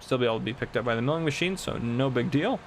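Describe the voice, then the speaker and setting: Talking very fast with lively intonation and a medium pitch, this gaming channel host in his 20s plays a farming game at home. His casual commentary rambles and is full of laughter, with slight background noise in the room.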